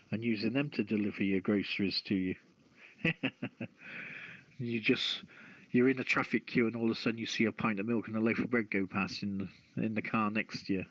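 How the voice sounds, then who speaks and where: A man's voice: lowish voice, a bit bright, dry recording. A man co-hosting a casual radio chat about the news, musing and jokey, often posing questions. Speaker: radio show co-host. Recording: muffled lo-fi audio.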